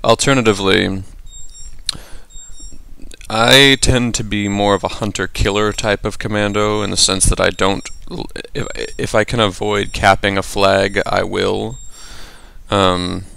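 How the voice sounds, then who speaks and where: A young man giving casual, rambling gameplay commentary in a rushed, offhand way. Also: lowish voice, fairly even intonation, vocal fry, sharp tone, no echo.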